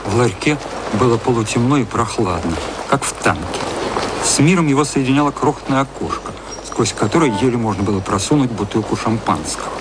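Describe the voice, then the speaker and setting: An actor as the narrator of a radio play, telling the story in a measured, matter-of-fact literary style. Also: male voice, mid-range voice, animated, background noise, close to an everyday voice. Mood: dry, measured. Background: music.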